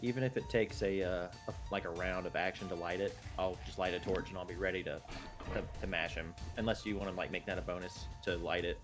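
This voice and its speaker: A man with a deep, low voice plays at the table. He works through his turns haltingly, leaning on fillers. Music plays clearly behind him. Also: fairly even intonation. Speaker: player. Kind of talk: casual tabletop play.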